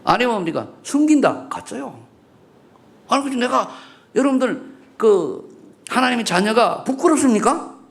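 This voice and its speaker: A middle-aged man preaching a sermon in a church, firing rhetorical questions at the congregation and swinging between loud and hushed delivery. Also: very high voice, lively intonation, moderate pace, vocal fry, pauses often. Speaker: pastor. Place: church sanctuary.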